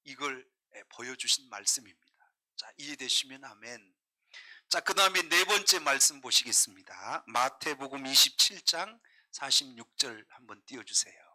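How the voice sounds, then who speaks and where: A male pastor preaching a sermon, emphatic and full of questions to the congregation, often dropping to a hush and then rising again. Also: medium pitch, animated, moderate pace. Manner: emphatic preaching, questioning the congregation, swinging between loud and hushed.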